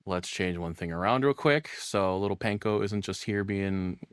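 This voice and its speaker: A man doing casual live reaction commentary as a streamer, excitable and rambling, swearing freely. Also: low-pitched, normal speed, clear, resonant tone, no room sound, clean studio sound. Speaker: VTuber streamer reacting to videos.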